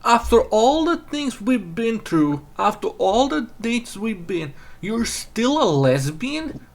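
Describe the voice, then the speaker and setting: A man's voice: very high-pitched, sing-song, slow, pitched above the performer's own voice, full character voice. A man voicing a heartbroken young male cartoon hero who whines and sounds aggrieved. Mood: betrayed.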